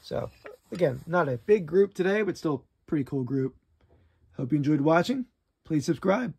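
A middle-aged man talks through his flea market haul in a relaxed, plainspoken way. His voice sits a touch high, with a gravelly, husky texture. He sounds casual and chatty as he walks through each find. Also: moderate pace. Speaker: reseller showing flea market finds.

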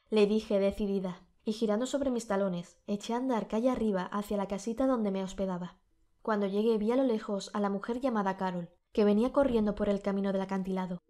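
A woman with a Spanish accent narrating an audiobook, her voice a little strained from a sore throat. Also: medium pitch. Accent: Spain Spanish. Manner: measured, steady storytelling.

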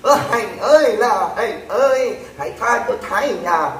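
A man's voice: very high-pitched, animated, unhurried, a bit bright, far from the mic, exaggerated voice. A man voicing a melodramatic mother who wails and pleads for forgiveness in a sing-song way. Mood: wailing plea. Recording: roomy echo, off-mic.

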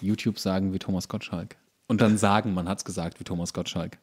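A man's voice: low-pitched, steady tone, a little fast, breathy edge. A man co-hosting a podcast in casual comedic chat, with a dry, wry way of joking. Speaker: podcast co-host.

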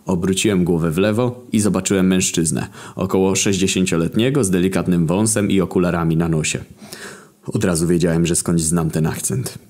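A young man narrating a satirical story in a deadpan, sarcastic, profane way. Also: low-pitched, fairly quick. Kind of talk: scripted comic narration.

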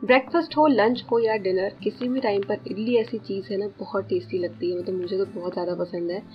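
Woman, 30s, home cooking vlogger; calm, explanatory voice-over, slightly muffled, light background music. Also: medium pitch, fairly quick. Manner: calm, explanatory, addresses viewers directly. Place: home kitchen.

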